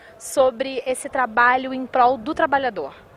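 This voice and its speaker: Over noticeable background noise, a woman with a high voice speaks at a moderate pace. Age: young. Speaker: TV interviewer. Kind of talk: interview. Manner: formal.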